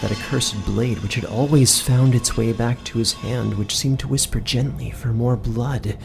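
A man's voice: mid-range voice, steady tone, normal speed, creaky. A man working as game master, reading dramatic scripted fantasy-horror narration. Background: music.

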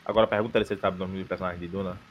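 A man's voice: low voice, steady tone, rapid-fire, breathy edge, highs cut off. A man with a Brazilian Portuguese accent co-hosting a podcast, making jokey, mocking interjections. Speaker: podcast co-host. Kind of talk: casual podcast banter.

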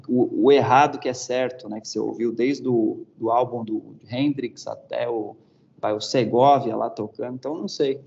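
A man talks casually and reflectively, hesitating and tagging his phrases with questions. His voice sits at a middle pitch. The recording is dull and lo-fi. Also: darkish tone, slight background noise. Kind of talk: casual chat about guitars. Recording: dull lo-fi sound.

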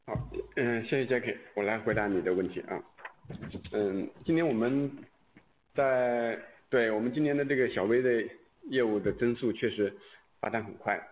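A male executive answering on an earnings call in a deliberate, halting way. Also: mid-range voice, slight background noise. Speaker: company executive answering questions. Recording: thin phone-like conference line.

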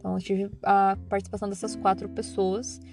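A woman's voice: medium pitch, flat delivery, fast. Chatty Brazilian woman over guitar music. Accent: Brazilian Portuguese. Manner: rambling, many fillers and restarts. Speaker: podcast host and radiology teacher. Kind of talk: casual solo podcast chat.

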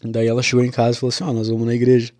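Young guy w telling his own story, pretty flat and even, dry close sound. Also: medium pitch, racing, no echo. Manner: casual, confessional, with frequent "cara" and "né". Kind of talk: personal storytelling monologue.

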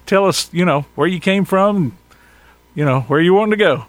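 A man's voice: high voice, a little fast, no room sound. A man hosting a sports radio show, asking a guest questions in an informal, hesitant way with fillers. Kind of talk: interviewing a guest.

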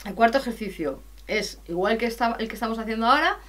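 Woman from teaching singing, chatty, bright tone, keeps asking if you got it. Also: a little high, animated, fast talker. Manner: chatty, explains step by step with frequent checks; sings loud sustained vowel demos. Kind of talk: podcast lesson on vocal technique.

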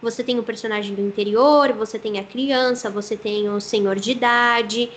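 Woman, Brazilian Portuguese accent, voice actress, fairly high voice, faint background noise. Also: steady tone, moderate pace. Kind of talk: interview.

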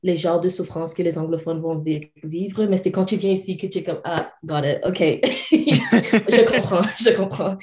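A woman's voice: fairly low pitch, moderate pace, a little mellow, echoey room, a little hiss or hum. A young woman from Cameroon, a podcast guest talking casually and mixing English words into her French. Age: young adult. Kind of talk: casual interview conversation.

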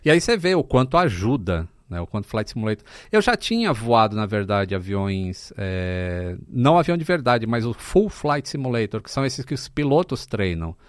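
A Brazilian man in his fifties, a podcast guest telling stories in a relaxed, casual way with many fillers. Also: lowish voice, moderate pace, hardly any pauses, dry recording, studio quality. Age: 50s. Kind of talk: casual chat.

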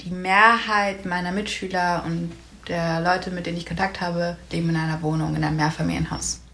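A nineteen-year-old woman from Berlin speaks frankly and easily, with a slightly low voice. Faint background noise runs under her speech. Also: fairly even intonation, a little fast, creaky, a bit bright. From Berlin, Germany. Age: young adult. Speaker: podcast volunteer. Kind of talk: casual discussion.

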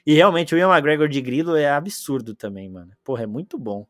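A young Brazilian man reviews a film on a podcast, animated and full of slang. He talks fast in a somewhat high voice. The recording is dry and close. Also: no echo. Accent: Brazilian Portuguese. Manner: animated, slangy, exclaims often. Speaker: podcast host. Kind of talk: casual film review chat.

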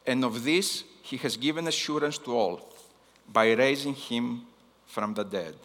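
A male preacher with a Greek accent delivers a sermon in a bright, forceful voice. He is deliberate and repeats key phrases for emphasis. His medium-pitched speech rings with the long reverb of a large hall. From Greece. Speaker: guest missions preacher. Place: large hall, speaking to a congregation.

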